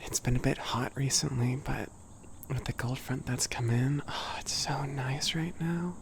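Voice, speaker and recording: A man voicing a sweet, gentle giant cat boy in an ASMR roleplay, speaking softly and hesitantly, often close to a whisper. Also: medium pitch, unhurried, background noise. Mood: relaxed, content. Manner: soft, hesitant, breathy chuckles, often near whisper.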